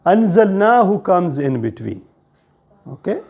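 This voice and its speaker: A man with a South Asian accent teaching a grammar lesson in a deliberate, explanatory way, often checking with questions. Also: high-pitched, sing-song, gravelly, darkish tone, slightly rough. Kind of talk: classroom lesson on Arabic grammar.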